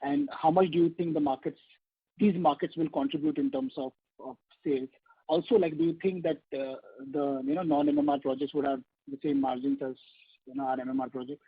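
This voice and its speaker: A man's voice: a little high, steady tone, brisk, breathy edge, dry recording. A man with an Indian accent, a financial analyst, puts questions to management on an earnings call. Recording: tinny, dry phone line.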